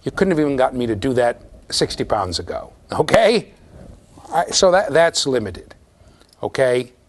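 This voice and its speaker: A man with a low voice giving a classroom lecture, talking straight to the students in a lively, conversational way. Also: moderate pace. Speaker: university lecturer.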